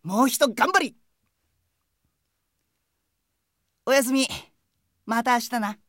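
A brash, friendly teenage boy, played by a woman, with a high voice in a dry, close studio sound. He talks in cheeky, boyish slang, the teasing best buddy of an anime game drama. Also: moderate pace, fairly bright tone, dry recording, lightly acted. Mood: cheerful, encouraging. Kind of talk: anime game audio drama, character voice messages.

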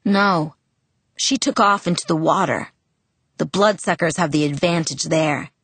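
A woman's voice: deep voice, measured pace, fairly bright tone, no echo, heavily acted. A woman reading the part of a protective teenage boy who talks bluntly and scolds with worry. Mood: sombre.

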